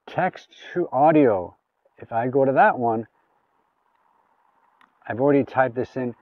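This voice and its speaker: A man's voice: mid-range voice, a little slow, no echo, far from the mic. A man giving a casual hands-on gadget demonstration, talking through each step aloud in an informal way. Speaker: gadget reviewer. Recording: phone-like, thin sound, off the mic.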